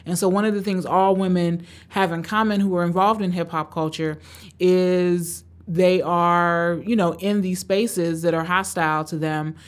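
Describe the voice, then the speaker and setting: Woman prof answering interview questions, lowish voice, laid back, lots of "you know". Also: unhurried. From Tanzania, raised in Cleveland, Ohio. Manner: relaxed, many fillers, thoughtful. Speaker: guest, professor.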